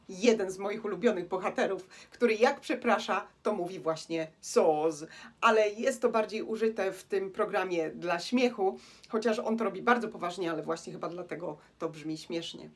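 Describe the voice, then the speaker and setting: A woman from Poland gives a language lesson at a middle pitch. She slows down and leans on key words when she reads the English examples. Her tone is explanatory and steady. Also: husky. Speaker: English teacher.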